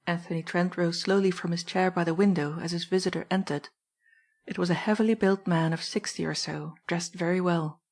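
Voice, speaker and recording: A woman narrating an audiobook novel in a steady, plain manner. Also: on the low side. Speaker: audiobook reader.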